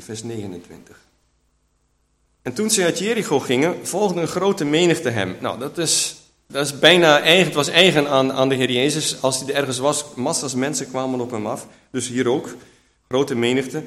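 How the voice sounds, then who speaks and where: A man's voice: mid-range voice, fairly bright tone. A man teaching from the Bible in a conversational way, often checking in with his listeners. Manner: chatty, keeps checking in with listeners. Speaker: preacher.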